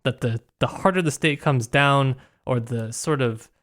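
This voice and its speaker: A man co-hosting a casual literary discussion, talking in a halting way as he searches for his words. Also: mid-range voice, a bit bright. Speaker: podcast co-host.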